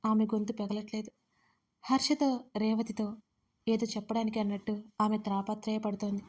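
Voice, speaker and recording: A woman storyteller reading a dramatic audio story in a steady, scripted narration. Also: mid-range voice, moderate pace.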